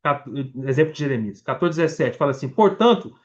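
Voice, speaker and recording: Speaking quickly and with animation in a slightly high voice, a Brazilian preacher with a Brazilian Portuguese accent reads scripture aloud verse by verse in a Bible-study sermon. He restarts words and explains as he goes, talking straight to the congregation. The sound is lo-fi.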